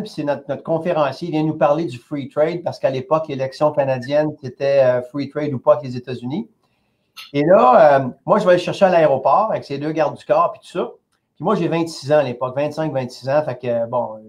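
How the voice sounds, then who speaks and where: Interview guest, Québécois man in his 50s, lively storyteller, a bit high-pitched. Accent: Québécois French. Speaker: company president, interview guest. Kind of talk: casual anecdote telling.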